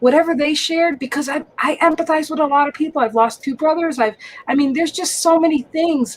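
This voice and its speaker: A woman with an American accent talks very fast at a high pitch. Her intonation stays fairly even. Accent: Long Island, comes out sometimes. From Long Island, New York. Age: 50s. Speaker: podcast guest, show host, speaker. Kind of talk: casual interview chat. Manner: halting, repeats words.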